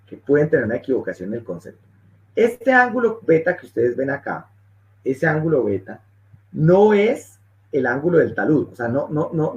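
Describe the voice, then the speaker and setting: A male engineering instructor giving a technical webinar lecture, explaining step by step and checking in often with his listeners. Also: mid-range voice. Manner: explanatory, checks in with frequent "¿listo?". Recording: muffled lo-fi webinar audio.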